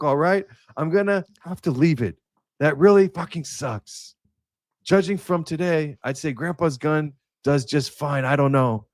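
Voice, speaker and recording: A man reading out the part of an anxious young man confessing, in a halting, theatrical script read. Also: high voice, no echo, studio quality. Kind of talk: mock-dramatic script reading.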